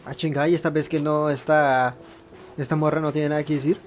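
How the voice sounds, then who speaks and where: Higher-voiced Mexican man, casual gamer chat. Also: little pitch movement, fast. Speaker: gaming video host. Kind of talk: casual let's-play chat. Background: game music.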